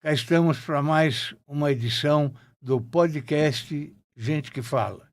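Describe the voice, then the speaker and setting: Friendly Brazilian podcast host. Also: male voice, mid-range voice, no echo, clean studio sound. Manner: friendly, brief prompting questions. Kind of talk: interview hosting.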